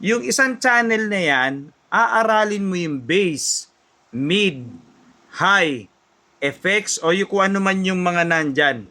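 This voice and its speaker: Male tutorial host, bright and slightly high voice, chatty, acts out his viewers' thoughts. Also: expressive, takes it slowly. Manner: chatty, keeps asking "no?", acts out beginners' thoughts; jokes and laughs at himself. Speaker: audio mixer tutorial host. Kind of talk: casual spoken lesson.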